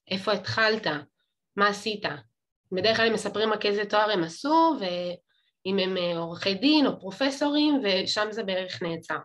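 A woman's voice: mid-range voice, a bit bright. A woman in her twenties speaking earnestly on a video call, leaning heavily on fillers. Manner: earnest, heavy use of fillers. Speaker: student initiative co-founder. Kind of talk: casual video call chat. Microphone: laptop webcam on a video call.

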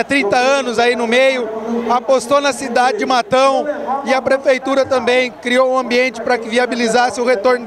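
A man gives promotional interview answers. His voice is very high, his phrases pile up like lists, and music and a crowd sound clearly behind him. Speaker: interview guest from local radio. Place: outdoor rodeo at night. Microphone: handheld interviewer microphone.

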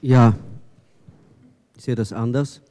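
A man in his fifties from Belgium speaking in a measured way as a panelist, into a handheld microphone in a hall. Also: medium pitch, fairly even intonation, warm tone. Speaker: panelist, theatre artist. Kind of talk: measured panel discussion remarks. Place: stage in a hall before an audience. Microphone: handheld microphone close to mouth. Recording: long hall reverb from stage PA.

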